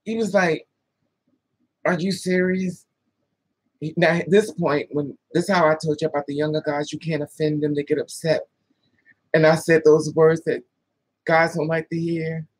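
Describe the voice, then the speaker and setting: Speaking to camera, a vlogger in her thirties animatedly tells a dating story, swearing and laughing as she plays out both halves of the exchange. Her low, husky voice has a breathy edge, moving at normal speed with frequent pauses. It's recorded close and dry with no room sound, but the audio is poor.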